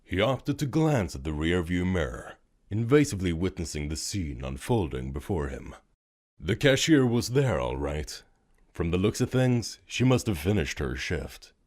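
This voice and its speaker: A man narrating a scripted audio drama story in a dramatic, expressive storytelling manner. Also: low-pitched, normal speed. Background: music.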